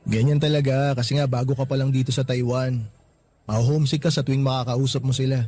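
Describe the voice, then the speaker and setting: A man's voice: medium pitch, little pitch movement, fast talker, mellow, close to an everyday voice. A man playing a casual, caring young coworker in a radio drama, talking in a soothing, everyday way. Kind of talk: Tagalog radio drama acting.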